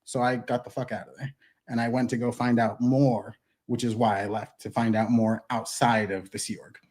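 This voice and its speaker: Recorded at a desk mic in a wood-paneled studio, a man in his thirties appears as a casual interview guest, blunt, emphatic, and swearing freely. His voice sits at medium pitch with a level, slightly mellow tone and normal speed.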